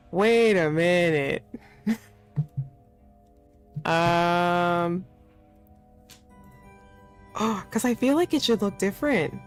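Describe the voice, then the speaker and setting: Woman, low voice, unhurried pace, casual let's play streamer, playful and slangy, soft music behind. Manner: playful, informal, slangy, thinking aloud. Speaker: streamer playing and reading aloud a visual novel. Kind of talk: casual let's play commentary with read-aloud game dialogue.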